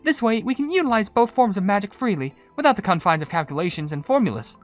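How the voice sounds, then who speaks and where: A woman acts out a bubbly young wizard from a cartoon game. She is friendly and eager, and her pitch leaps about with lively swings. Music plays clearly behind her. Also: fast, lightly acted. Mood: cheerful, friendly. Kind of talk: cartoon game dialogue read aloud.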